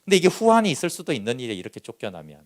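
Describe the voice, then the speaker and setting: A man's voice: mid-range voice, huge pitch swings, rapid-fire. A male pastor preaching a Sunday sermon, reading scripture and acting out the voices of its figures. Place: church sanctuary.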